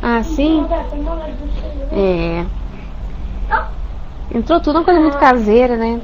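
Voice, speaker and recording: A woman's voice: on the high side, big pitch swings, slow pace, dull audio, noisy background. Woman leading a spiritist study. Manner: warm conversational, frequent rhetorical "né?" checks. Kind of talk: informal religious study talk. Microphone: computer mic over online voice chat.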